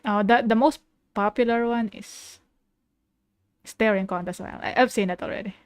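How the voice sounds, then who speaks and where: A woman's voice: fairly high pitch, moderate pace, smooth, no room sound. A woman VTuber giving casual, exclamatory reaction commentary with informal swearing, recorded close in a dry room. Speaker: VTuber host.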